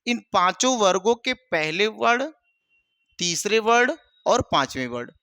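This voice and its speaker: A man's voice: sits high, very animated, measured pace, bright, forceful tone, clean tone, no room sound. A male teacher giving an exam-prep grammar lesson, asking the class questions and answering them himself, with a lot of repetition. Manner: repetitive, asks and answers his own questions, calls students brother.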